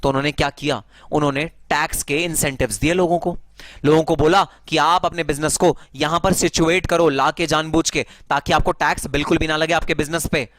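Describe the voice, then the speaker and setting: Male tax lecturer, slightly high voice, dry close sound, chatty and explanatory. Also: steady tone, a little fast, fairly bright tone, no room sound. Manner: conversational, mixes in English terms, calls listeners brother. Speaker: tax teacher. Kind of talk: classroom lecture.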